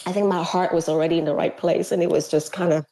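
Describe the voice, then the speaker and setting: A woman recounts her experiences in a casual interview. Her voice sits a little low, and she tells things with animation, slipping into little acted quotes and laughter between fillers. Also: steady tone, fast talker, mellow. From Hong Kong. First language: Cantonese. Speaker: guest, former missionary.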